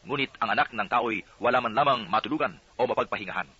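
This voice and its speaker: Brief: calm authoritative male teacher, read by a male narrator, bright brisk voice, lo-fi sound. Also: medium pitch, husky. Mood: solemn. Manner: solemn, teaching cadence. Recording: dull lo-fi audio.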